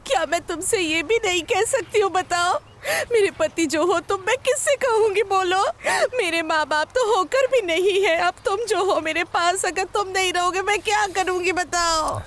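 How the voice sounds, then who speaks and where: An actress dubbing a self-pitying elder wife who complains and bickers tearfully. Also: female voice, extremely high pitch, lively intonation, normal speed, full character voice. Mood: complaining. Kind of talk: Hindi dub of a comedic drama. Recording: loud music under the dialogue.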